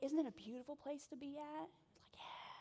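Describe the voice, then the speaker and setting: The delivery is energetic and animated, though the pace stays fairly slow. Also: woman. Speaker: keynote speaker and former Army helicopter pilot. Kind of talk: motivational keynote speech to a live audience. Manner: energetic, animated, conversational.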